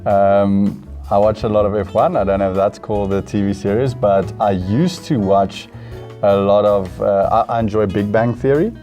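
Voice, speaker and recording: A man's voice: lowish voice, moderate pace, warm tone, dull audio, soft background music. A South African man hosting a game show in a casual, easygoing, chatty way.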